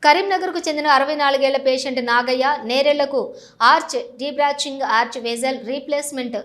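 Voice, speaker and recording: A woman reading a scripted news voice-over in a formal, even manner. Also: high-pitched, a little fast. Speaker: news reader.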